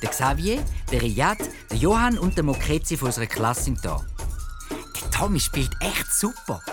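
A woman with a Swiss German accent reading a children's story aloud in a lively, expressive way, told in the first person. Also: low voice, normal speed, over music.

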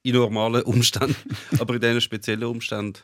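A man, a co-host, gives his opinions at a very rapid pace. His pitch is mid-range. The recording is dry and close to the mic. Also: level tone, a bit bright, no echo. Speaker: co-host, football pundit. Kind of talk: casual talk show chat.

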